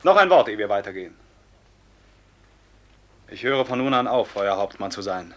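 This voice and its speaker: An actor playing a young robber captain, torn and remorseful, declaiming intensely in a classic radio play. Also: male voice, fairly low pitch, normal speed, natural voice. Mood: bitter.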